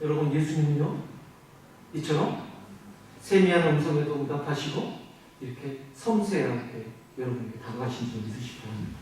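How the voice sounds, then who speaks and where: A man preaching a sermon as pastor, animated, asking the congregation questions and answering them himself. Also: on the high side, moderate pace, slight background noise. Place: church sanctuary. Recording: very echoey hall, mic at a distance.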